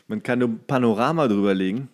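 A man's voice: medium pitch, fast. A man co-hosting a podcast in casual comedic banter, playfully and theatrically teasing. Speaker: podcast co-host.

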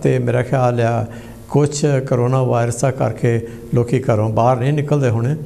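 A man hosts a call-in show from a TV studio. His voice is low-set and gravelly, with a dark, mellow tone. He talks unhurriedly and pauses often to gather his thoughts. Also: steady tone. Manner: unhurried, reminiscing, with frequent hesitations. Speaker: host of a phone-in memories show. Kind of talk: casual broadcast chat.

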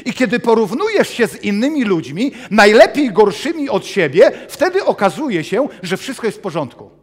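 A man in his fifties preaching a sermon with personal testimony in a small church hall, animated and gesturing as he paces. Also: high-pitched, moderate pace, breathy edge. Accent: Polish. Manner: animated, gesturing broadly while pacing the stage. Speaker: pastor.

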